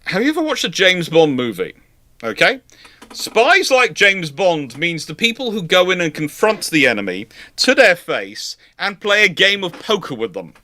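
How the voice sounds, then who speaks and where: A man's voice: sits high, very animated, normal speed, pushed and bright. A British man in his forties hosting a casual live question-and-answer chat, rambling and emphatic in his opinions. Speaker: live stream host.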